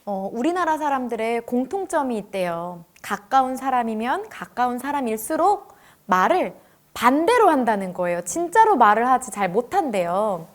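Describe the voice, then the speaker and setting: A woman lecturer giving a lively talk on couples' communication, acting out family conversations in quoted voices. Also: on the high side, moderate pace.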